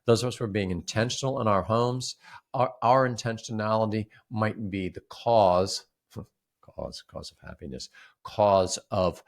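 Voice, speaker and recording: A man co-hosting a reflective conversational discussion, speaking haltingly with frequent repeated words and restarts. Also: lowish voice. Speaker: podcast co-host.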